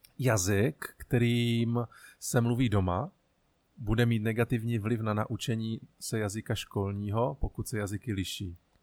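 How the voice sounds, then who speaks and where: A man speaks at a fairly slow pace with ordinary pitch variation, the sound dry and close with no echo on a very clean recording with a silent background. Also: medium pitch for a man. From Czech Republic, Vietnamese family. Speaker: podcast co-host, digital entrepreneur. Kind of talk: casual chat. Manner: halting, many fillers.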